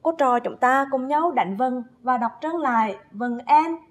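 A woman teacher leads a first-grade phonics lesson in a high, bright voice. She speaks at an unhurried pace and pronounces every sound carefully. She draws out the spelling drills and asks the children to repeat after her. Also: animated. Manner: slow, careful enunciation with drawn-out spelling drills; addresses young pupils directly, calls them to read along. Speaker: primary school teacher.

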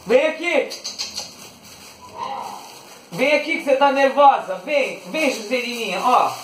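A man's voice: extremely high pitch, roomy sound, recorded from a distance. Man, casual unboxing vlog, coaxing, affectionate, voice off the mic, faint background noise. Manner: coaxing, talks sweetly to his dog, often laughing. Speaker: channel host.

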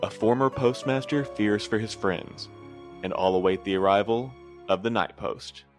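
A man's voice: fairly low pitch, normal speed. A man giving a scripted, dramatic narration as the narrator of an audio drama. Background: music.

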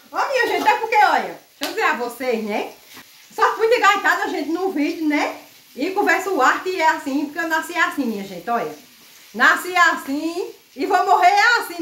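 A woman vlogging casually while she cooks at the stove at home, loud and chatty, laughing often. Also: sits high, slight background noise. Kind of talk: casual chat while cooking. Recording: echoey kitchen, mic set far off.

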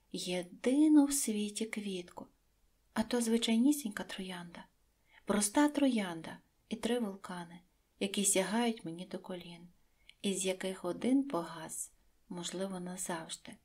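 A woman voicing a small, lonely boy prince in an audiobook, with a high, earnest, wondering voice. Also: a little slow, a little mellow, natural voice. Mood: sad wondering. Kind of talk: audiobook reading.

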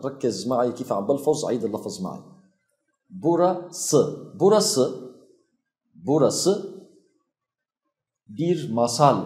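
Male teacher, mellow voice, careful repetition, roomy sound. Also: mid-range voice. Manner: slow, careful, repeats words for students. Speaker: Turkish language teacher. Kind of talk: pronunciation lesson. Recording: echoey room.

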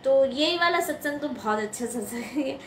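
A woman's voice: sits high, animated, moderate pace, fairly bright tone. A young woman telling a casual devotional story to her followers, chatty and laughing often, mixing in English words. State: eight months pregnant. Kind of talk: casual spoken testimony to followers. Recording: echoey room with faint hum.

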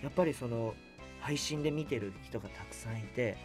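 A man guesting on a casual radio show, telling anecdotes in an animated way and searching for words, recorded in a studio. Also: medium pitch, brisk. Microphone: studio boom microphone, wearing face mask. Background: background music.

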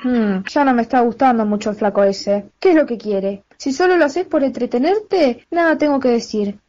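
A domineering Argentine mother in a radio play, acted by a young woman. Her voice is high and soft-edged, yet she scolds and orders everyone about with scorn. The recording is dull and lo-fi. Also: expressive, moderate pace, natural voice. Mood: scornful. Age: teens. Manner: bossy, scornful. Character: Doña María, domineering, scolding, grasping middle-aged mother.

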